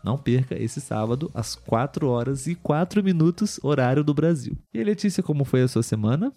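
A Brazilian man hosting a casual chat podcast for language learners, speaking clearly and in a friendly way. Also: mid-range voice, lively intonation, brisk, mellow, faint music behind. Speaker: podcast host.

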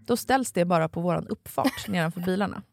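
A woman's voice: on the low side, animated, creaky, dry recording. A woman co-hosting a podcast, telling a long story in a casual chat and swearing freely. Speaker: podcast co-host.

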